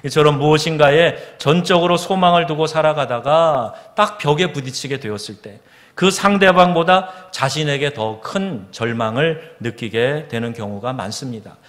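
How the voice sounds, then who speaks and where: A Korean man, a pastor, preaching a sermon in a church, asking the congregation questions and reading scripture slowly and solemnly. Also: on the high side, fairly bright tone. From South Korea. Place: church sanctuary. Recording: long hall reverb of a church.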